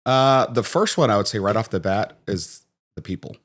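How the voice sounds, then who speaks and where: A man's voice: lowish voice, moderate pace. A Jamaican-born man raised in Florida, a guest on a podcast, telling stories and acting out the people in them. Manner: animated storyteller, acts out quoted voices. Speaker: guest, financial professional. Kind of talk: conversational podcast interview.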